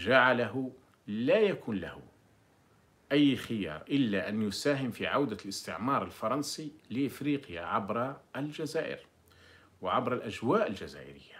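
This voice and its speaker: A man with an Algerian accent talks at a fairly slow pace, using lively intonation and vocal fry. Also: medium pitch for a man. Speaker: political commentator. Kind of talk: live stream monologue. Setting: live stream. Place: home room. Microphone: phone near.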